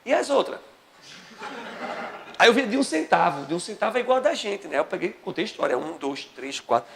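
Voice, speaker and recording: A man's voice: high voice, fast, vocal fry. A man, teaching a history class and telling a comic story, acting out the other voices. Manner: animated storyteller, acts out voices. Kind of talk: classroom lecture with comic anecdote.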